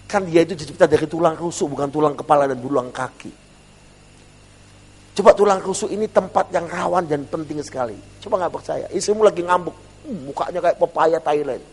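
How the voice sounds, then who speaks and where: A male pastor giving a humorous, animated sermon in a church, often calling out to the congregation. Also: a little high, fairly quick, husky. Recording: long church reverb.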